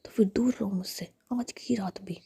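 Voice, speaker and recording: A woman's voice: mid-range voice, moderate pace, vocal fry, dark tone, husky. A woman voicing an irritable, sleepy young woman, whispering her curt, annoyed lines.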